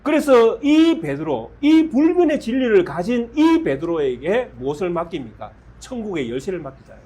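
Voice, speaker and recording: A male pastor preaching a sermon, asking rhetorical questions and swinging from loud stresses to hushed lines. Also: very high voice, very animated, normal speed, breathy edge, dull audio.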